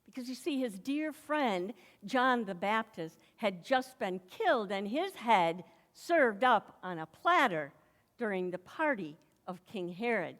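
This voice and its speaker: A woman pastor delivering a sermon slowly and deliberately, with dramatic pauses between phrases. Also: mid-range voice, big pitch swings, a bit bright. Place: church sanctuary. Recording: echoey church hall.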